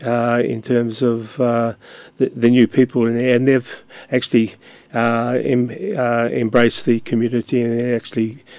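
Hesitant older man, flat voice. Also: mid-range voice, moderate pace, smooth, no echo. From Australia. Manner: hesitant, many fillers and restarts. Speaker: community radio guest. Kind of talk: casual interview talk.

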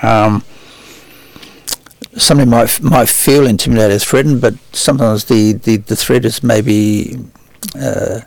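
A man co-hosting a radio show, speaking haltingly with many repeated words and fillers. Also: medium pitch, steady tone, gravelly, a little mellow, dry recording. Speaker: radio co-host. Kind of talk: radio panel discussion. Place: radio studio.

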